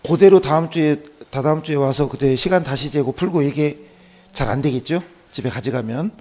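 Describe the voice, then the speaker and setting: Man, dark mellow tone, hoarse with a cold, classroom exam lecturer, short tag questions. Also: fairly high pitch, a little fast. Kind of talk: classroom lecture going through practice questions.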